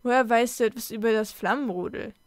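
A woman voicing a determined male white wolf in a storybook, who speaks loudly and firmly. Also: a little high, fast talker, dry recording, studio quality, close to an everyday voice. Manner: loud and firm.

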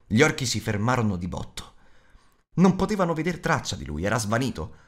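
A man narrating an audiobook in an expressive, measured storytelling manner. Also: mid-range voice.

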